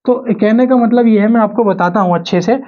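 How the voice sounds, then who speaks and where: A man with a high-pitched voice teaches physics for exam coaching, speaking a bit fast in a lesson delivered to camera, with dull, lo-fi audio. He asks questions only to answer them himself and repeats his key phrases.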